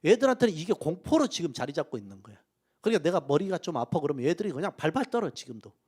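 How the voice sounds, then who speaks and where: Male pastor, middle-aged, lively higher voice, sermon with hushed asides and loud emphatic peaks. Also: quick pace, slightly rough. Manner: emotional storytelling, swinging from soft asides to loud emphatic peaks. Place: church sanctuary.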